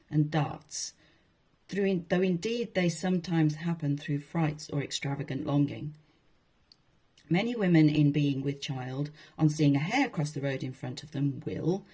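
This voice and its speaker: A woman's voice: deep voice, warm tone, slightly rough. A woman speaking informally as she presents and reads from old texts, in a conversational, wryly amused manner. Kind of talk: informal talk with read-aloud passages from a historical book.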